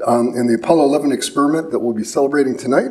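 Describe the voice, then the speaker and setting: The speech comes very fast. It is a man talking. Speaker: event organizer introducing speakers. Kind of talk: event introduction. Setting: stage with audience. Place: hall. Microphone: podium.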